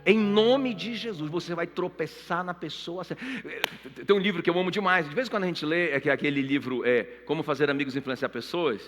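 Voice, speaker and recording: A man's voice: a little high, a little fast, fairly bright tone. A man, a pastor giving a sermon, telling the story vividly and addressing the listeners directly. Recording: reverberant church hall with faint music.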